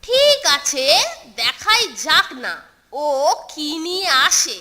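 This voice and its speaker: A woman voicing an eager, impish young schoolboy sidekick in a children's cartoon, childlike and excitable. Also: very high voice, slow, full character voice. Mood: wary. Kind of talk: exaggerated Bengali children's cartoon acting. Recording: music playing under the voice.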